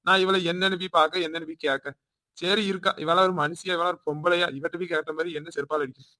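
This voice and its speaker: A man voicing a quick-tempered village husband in a cartoon, with a Tirunelveli Tamil accent and a nagging, hectoring way of talking. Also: fairly high pitch, fairly even intonation, pushed and bright, no echo. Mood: grumbling. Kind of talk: cartoon voice acting.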